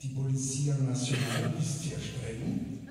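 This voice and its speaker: Slow-speaking German priest in a church. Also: male voice, medium pitch, little pitch movement, noisy background. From Bavaria, Germany. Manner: slow, halting short sentences. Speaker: visiting priest. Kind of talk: speaking through an interpreter. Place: large church interior. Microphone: handheld mic. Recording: echoey church from far off.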